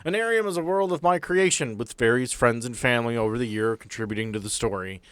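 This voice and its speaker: A man's voice: mid-range voice, fast, fairly bright tone, clear, resonant tone, dry recording. A man hosting a tabletop game podcast as game master, chatting informally and bantering with friends. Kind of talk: casual group chat and introductions.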